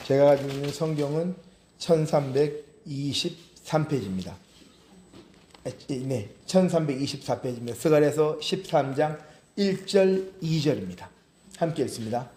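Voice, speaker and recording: A male pastor preaching a sermon. He reads scripture aloud slowly, then explains it in a hushed, earnest voice. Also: a little high, echoey room, a little hiss or hum. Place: church sanctuary.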